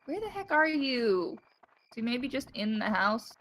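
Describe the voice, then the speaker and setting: A young woman with a high voice, hosting a casual game playthrough, joking and laughing as she plays. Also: very animated, a little slow, a bit bright, a little hiss or hum, rough recording. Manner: laughy, joking, self-deprecating. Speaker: let's play host. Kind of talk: casual gameplay commentary. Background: faint game music.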